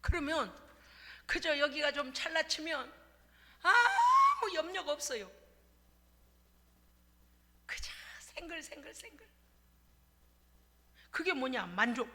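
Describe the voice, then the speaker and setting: A woman pastor delivers a sermon in a church sanctuary, her high voice a little slow and the reverberant hall ringing around her. She keeps things lively with humorous stories and acted-out asides.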